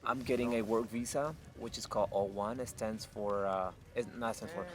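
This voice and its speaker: A young man from Honduras speaks in a lowish voice, answering at an easy pace and pausing often with fillers. Music plays clearly in the background behind him. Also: steady tone. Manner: thoughtful, searching for words with fillers. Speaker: interview guest. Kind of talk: casual interview chat.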